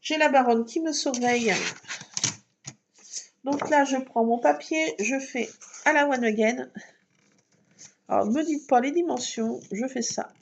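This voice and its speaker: Chatty woman crafting, gravelly voice. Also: high voice, a little slow, long pauses, highs cut off, slight background noise. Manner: chatty, talks to herself while working, fillers like voilà. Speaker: scrapbooking vlogger. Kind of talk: casual crafting chat to viewers.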